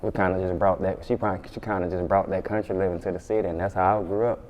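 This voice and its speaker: Low voice southern black guy from alabama chatting in an interview, says like a lot, kinda muffled audio. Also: fairly even intonation, fast, a little mellow. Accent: Southern Black American, Alabama. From Montgomery, Alabama, USA. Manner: informal, repetitive, says 'like' often. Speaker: interview guest, rapper. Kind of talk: casual conversational interview.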